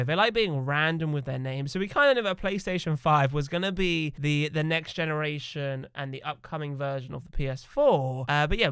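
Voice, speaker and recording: A man's voice: fairly high pitch, fairly bright tone, smooth, no echo. A man with a cough from a cold and a slightly nasal voice, chatting casually to camera in a gaming video, rambling with fillers.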